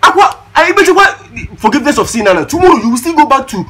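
A man's voice: very high-pitched, big pitch swings, fast, a bit bright, a little hiss or hum, exaggerated voice. A man with a Nigerian Igbo accent playing an exasperated, mocking grown son in a comedy film, sarcastic and repetitive, switching between English and Igbo.

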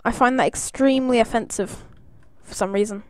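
High-voiced woman disguising her voice deeper. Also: a little mellow, no echo. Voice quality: put-on British accent. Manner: halting, stammering, joking. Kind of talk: playful prank vlog.

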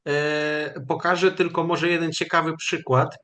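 Measured man explaining after a lecture. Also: fairly high pitch, flat delivery, pushed and bright. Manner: measured, explanatory, with hesitant fillers. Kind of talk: answering questions after a webinar lecture.

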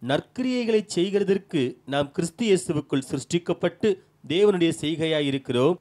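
A man reading a scripture verse aloud slowly and evenly. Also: a little high, lively intonation, a little mellow. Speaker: scripture reader.

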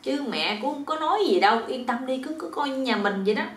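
A woman's voice: high voice, expressive, a little fast, pitched above the performer's own voice. A woman with a Southern Vietnamese accent voicing a gullible mother-in-law who exclaims and scolds in a raised, fussing voice. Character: gullible, fussy young-looking mother-in-law. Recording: roomy echo.

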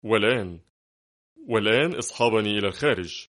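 A man reading a ruthless foreign spy in an audiobook, giving him a harsh, gruff voice and a stern, sarcastic menace. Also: on the low side, quick pace, fairly bright tone, close to an everyday voice. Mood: menacing.

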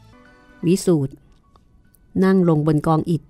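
A woman podcast host giving a steady, expressive audiobook reading of a horror novel. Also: a little slow, no echo, soft background music.

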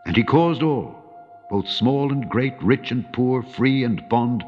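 A man giving a measured, solemn reading of scripture, slowing for emphasis and rising in pitch for quoted proclamations. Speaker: Bible reader. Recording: dull long-reverb recording over soft music.

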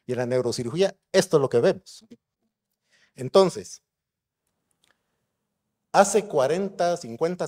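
A slightly high, warm voice comes from a middle-aged man, a neurosurgeon from Guatemala. He delivers a conference lecture in a conversational style, throwing rhetorical questions at the audience.

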